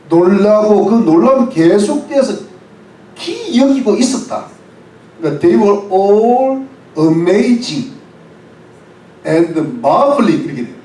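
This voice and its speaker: In a church, a man serving as pastor preaches a sermon, going through words one at a time with English phrases and putting questions to the congregation. His voice is high and warm. The audio is rough, with an echoey room and a distant mic.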